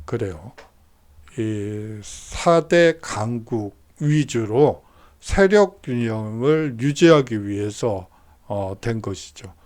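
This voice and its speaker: A man's voice: mid-range voice, animated, takes it slowly, darkish tone. A man giving a recorded university history lecture, explaining steadily with frequent hesitation fillers.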